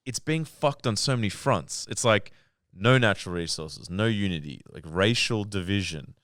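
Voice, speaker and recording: Deep, smooth man swearing casually. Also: animated, moderate pace, a bit bright, no room sound, studio quality. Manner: casual, swears freely, many short backchannels. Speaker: podcast co-host. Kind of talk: casual podcast chat.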